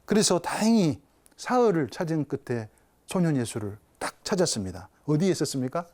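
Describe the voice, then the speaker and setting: A man's voice: a little high, big pitch swings, a little fast, darkish tone. A man, a Catholic priest, giving a televised spiritual talk, telling a story and asking his listeners rhetorical questions.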